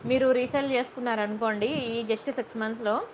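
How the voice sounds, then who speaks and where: A woman's voice: fairly high pitch, steady tone, fairly quick, a little hiss or hum, rough recording. A woman hosting a chatty live jewellery sale, greeting viewers by name and checking in with them often as she slips English words into her speech. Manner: mixes English words and phrases into her Telugu. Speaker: jewellery seller on a live stream. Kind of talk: chatty live sales stream.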